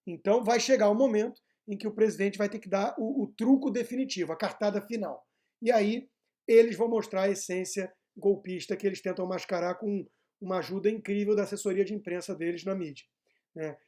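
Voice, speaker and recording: A man's voice: high voice, a little fast, dark tone. A man giving opinionated political commentary, hesitating often with filler sounds and tag questions.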